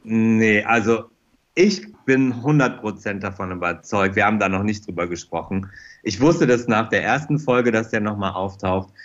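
A man's voice: on the low side, moderate pace, highs cut off. A middle-aged man speaking as a guest in a casual podcast interview, chatty and often repeating his phrases. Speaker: interview guest, fashion designer.

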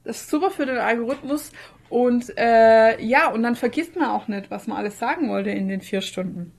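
A woman's voice: fairly high pitch, normal speed, vocal fry, darkish tone. A woman chatting casually as a podcast co-host. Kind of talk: casual chat.

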